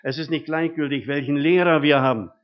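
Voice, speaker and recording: A man's voice: on the high side, fairly even intonation, brisk. Older man preaching in folksy tones. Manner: folksy storytelling with frequent rhetorical tag questions. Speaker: lay preacher. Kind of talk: sermon. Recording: dull, muffled recording.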